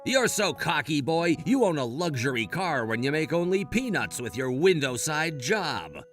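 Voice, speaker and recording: A man's voice: a little high, very animated, normal speed, fairly bright tone, soft background music. A man voicing a spiteful, crude bully of a boss who sneers and cackles. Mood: sneering.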